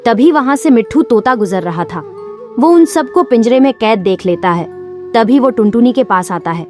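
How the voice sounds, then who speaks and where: A woman's voice: fairly high pitch, normal speed. Woman narrating a cartoon story. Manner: even storytelling. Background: music.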